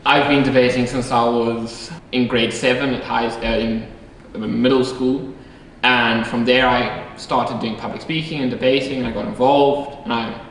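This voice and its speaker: A young man from South Africa, working as a debate coach, answers in a measured voice and restarts a phrase now and then. He sits far from the mic in a very echoey hall with long reverb. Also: medium pitch, little pitch movement, a bit bright, slight background noise. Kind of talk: casual interview answers.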